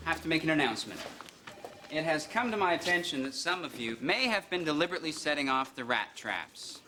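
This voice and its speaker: An actor playing a dry, sarcastic, politely formal office boss. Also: male voice, fairly high pitch, expressive, a little fast, sharp tone, a little hiss or hum.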